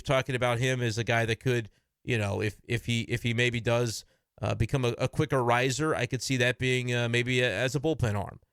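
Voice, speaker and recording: A man's voice: mid-range voice, a bit bright, clear, resonant tone, dry recording, studio quality. A man giving casual, frank solo commentary on his baseball team from his computer desk, talking in an opinionated, conversational way.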